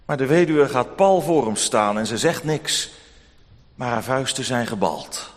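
A man telling a Bible story to children in an expressive, animated way. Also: medium pitch, measured pace. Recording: long hall reverb.

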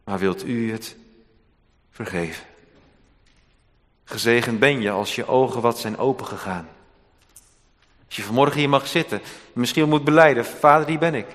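A man preaching a sermon, swinging between hushed, slow passages and loud, emphatic ones. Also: medium pitch. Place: church hall. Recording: long church reverb.

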